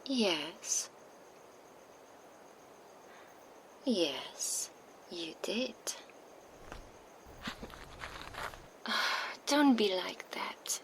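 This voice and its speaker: A woman voicing a cold, menacing female vampire enforcer in an ASMR roleplay, speaking in a soft, slow, taunting whisper into a binaural microphone. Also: medium pitch, very animated, creaky, a little hiss or hum, full character voice.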